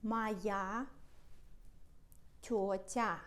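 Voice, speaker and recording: Very slow-speaking woman teaching Russian. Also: medium pitch, fairly even intonation, a little hiss or hum. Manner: spells out and repeats words slowly for learners. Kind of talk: slow language lesson.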